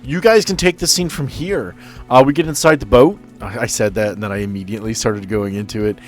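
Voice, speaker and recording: A man's voice: lowish voice, a little fast, faint music behind. A man narrating as game master on a tabletop roleplay podcast, talking conversationally and addressing his players directly.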